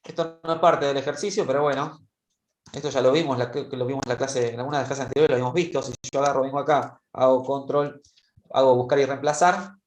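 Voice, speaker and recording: In an online class, a male teacher shares his screen and guides students through a spreadsheet exercise, patiently checking in as he goes. His mid-range voice is flat in delivery and fast. The recording has a roomy echo.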